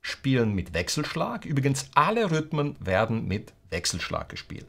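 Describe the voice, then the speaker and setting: This guitar teacher speaks at a normal pace in a medium-pitched, slightly bright voice with huge swings in pitch. Explaining strumming rhythms, he counts beats out loud and breaks into bits of rock songs while guitar plays behind him.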